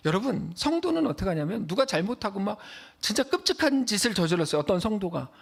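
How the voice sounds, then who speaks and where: Animated Korean pastor preaching, high lively voice. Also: male voice, fast, gravelly. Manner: animated preaching, acting out quoted voices, dropping to a hush for emphasis. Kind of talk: sermon.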